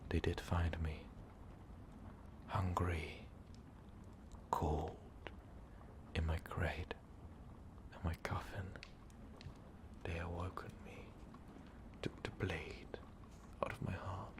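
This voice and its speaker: A man voicing an ancient, brooding, power-hungry vampire overlord in an ASMR roleplay, talking haltingly and often slipping into whispers. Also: low voice, little pitch movement, noisy background. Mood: solemn, reflective. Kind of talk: ASMR roleplay monologue, intimate storytelling.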